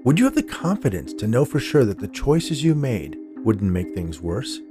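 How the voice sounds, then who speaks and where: A man narrating scripted stories as a podcast host, with a measured, dramatic delivery and deliberate pauses. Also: mid-range voice, big pitch swings, over music.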